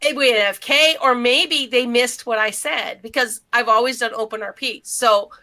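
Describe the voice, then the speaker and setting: Female co-host, bright and higher-pitched, casual anecdotal chat. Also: moderate pace. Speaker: podcast co-host.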